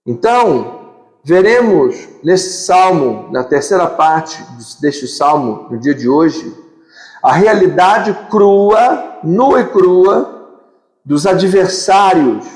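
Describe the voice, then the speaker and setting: A man's voice: on the high side, a little mellow. A man with a Brazilian accent preaching a sermon as pastor, driving his points home with emphatic repeated phrases and lists. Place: church sanctuary. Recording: echoey hall with long reverb.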